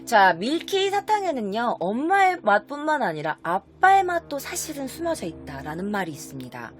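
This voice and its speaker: Woman telling a spooky tale, lively pitch. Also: normal speed, soft background music. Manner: chatty, animated, acts out short quoted voices. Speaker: YouTube storyteller. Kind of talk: casual spooky storytelling.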